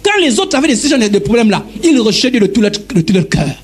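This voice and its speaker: Husky-voiced preaching man, animated pitch. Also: a little fast, slight background noise. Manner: emphatic preaching, wide pitch swings, direct address. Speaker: pastor. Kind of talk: sermon.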